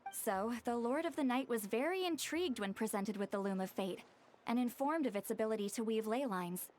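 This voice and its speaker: A woman playing a composed female warrior in a video game, explaining things in a measured, earnest, articulate way. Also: on the high side, a little hiss or hum, close to an everyday voice. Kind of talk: video game character acting.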